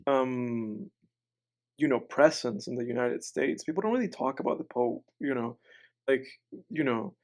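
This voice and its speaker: A man's voice: mid-range voice, unhurried. Hedging man. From Dominican Republic. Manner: rambling, hedging, many fillers. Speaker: podcast co-host. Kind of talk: casual chat.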